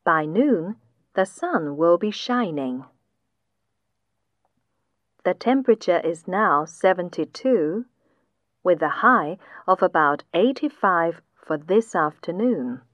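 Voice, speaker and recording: A woman reading a weather report slowly and clearly for a listening test, with a dull lo-fi sound like AM radio. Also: fairly low pitch, big pitch swings, no echo. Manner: slow, deliberate, clearly enunciated reading. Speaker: test passage reader.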